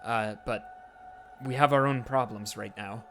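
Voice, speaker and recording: A man's voice: mid-range voice, steady tone, a little slow, a bit bright, a little hiss or hum. A man voicing a tired, kindly male priest who leads a town, speaking formally and courteously in a tabletop game. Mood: welcoming.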